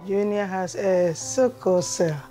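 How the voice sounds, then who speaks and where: A middle-aged woman speaks slowly and plainly, in simple phrases, from her living room. Music plays clearly behind her. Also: mid-range voice, dark tone, rough recording. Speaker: parent. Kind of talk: documentary interview.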